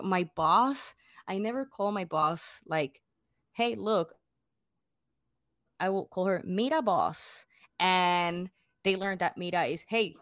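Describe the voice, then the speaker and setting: A woman's voice: on the low side, fairly bright tone, no echo, clean studio sound. A young woman from Puerto Rico with a Puerto Rican accent, Spanish her first language, talking casually and animatedly in an interview with many restarts. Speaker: guest.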